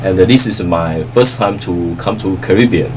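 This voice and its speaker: A middle-aged man from Taiwan, an ambassador, answering interview questions politely and haltingly with many fillers. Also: low-pitched, recorded from a distance, noisy background.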